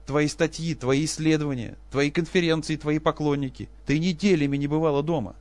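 A man's voice: mid-range voice, expressive, normal speed, no echo, natural voice. A man voicing a broken, aging male professor who turns desperate and explosive. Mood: furious. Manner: shouting, frantic.

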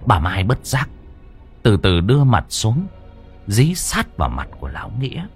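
A man's voice: wildly swooping pitch, normal speed, husky, faint music behind. A man narrating a ghost story dramatically. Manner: dramatic, swinging pitch.

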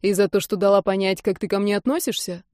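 A woman's voice: medium pitch, steady tone, fast talker, a little mellow, no room sound, studio quality, natural voice. A woman reading the part of a cold, tired young man who speaks with clipped mockery. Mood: mocking.

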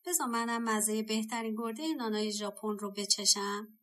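A woman's voice: a little high, steady tone, a bit bright, slight background noise, natural voice. A woman voicing a friendly, eager white dog in a storybook, in a raised voice.

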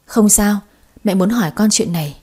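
A woman voicing a shaken middle-aged mother who speaks haltingly. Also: medium pitch, dark tone, husky, close to an everyday voice. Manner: halting, strained.

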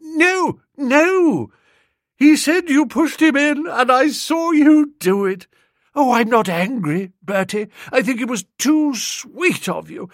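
A man voicing a bossy, self-assured young upper-class woman, speaking high and in a breezy, condescending way. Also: lively intonation, takes it slowly, no room sound, studio quality, full character voice. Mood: teasing.

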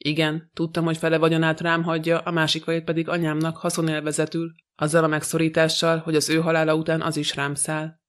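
A man voicing an angry, defiant young man in an audiobook, speaking bitterly in an even, flat delivery. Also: on the high side, few pauses, close to an everyday voice.

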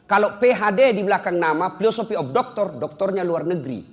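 A man preaching, giving a humorous religious lecture as an animated storyteller who jokes and chuckles often. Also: sits high, fairly quick, in a large hall.

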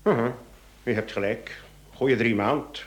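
A man's voice: medium pitch, takes it slowly, a little hiss or hum, natural voice. A Flemish man acting in a radio play as a probing, no-nonsense police inspector, terse, dry and insistent. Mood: stern, pressing. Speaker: radio drama actor. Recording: roomy, echoing radio drama studio.

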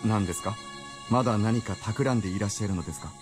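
An actor playing an earnest, polite young writer who is often puzzled. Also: male voice, lowish voice, fast, music in the background, close to an everyday voice. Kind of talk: radio drama acting.

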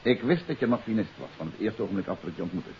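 An actor playing a shrewd, authoritative detective in a 1950s radio drama, speaking in a probing, deliberate way. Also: male voice, lowish voice, expressive, lightly acted. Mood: stern, pressing. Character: shrewd, authoritative male amateur detective confronting a suspect. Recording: muffled 1950s radio recording with hiss.

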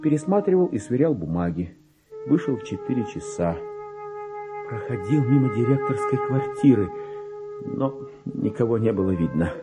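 A man's voice: medium pitch, big pitch swings, moderate pace, over loud music, natural voice. An actor playing a vain, resentful middle-aged clerk in a radio play, pompous and exclamatory, as if muttering his diary to himself. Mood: sullen, matter-of-fact. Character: petty forty-two-year-old male clerk, vain, resentful, self-important. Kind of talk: theatrical radio play monologue, diary read aloud.

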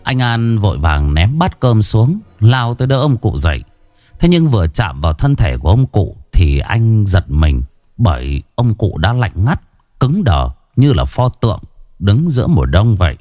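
Deep-voiced dramatic male horror narrator. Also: normal speed, dry recording, clean studio sound, faint music behind. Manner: dramatic, expressive delivery. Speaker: storyteller.

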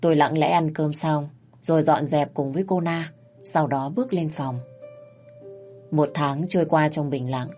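A woman narrating a first-person story in a calm, measured way, over faint background music. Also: low-pitched.

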